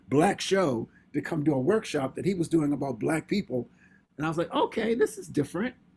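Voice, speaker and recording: Fairly high in pitch, a man speaks at a fairly quick pace with lively intonation and a dark, mellow, somewhat breathy tone. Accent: American. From US South. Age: 60s. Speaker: performer and dancer. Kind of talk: panel discussion. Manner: halting.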